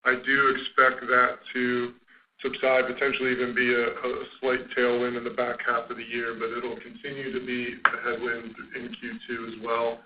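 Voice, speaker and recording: A man speaking as a company finance executive, answering questions on an earnings call in a measured, halting business manner. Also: medium pitch, monotone. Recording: muffled, noisy conference phone line.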